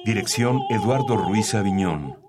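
Very deep ominous male announcer. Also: lively intonation, a little slow, distant mic. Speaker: promo announcer. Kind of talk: dramatic scripted narration. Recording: voice under loud music.

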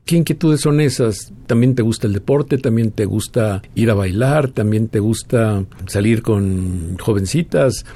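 A man hosting an interview, asking measured questions with small hesitations. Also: lowish voice, warm tone. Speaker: radio host.

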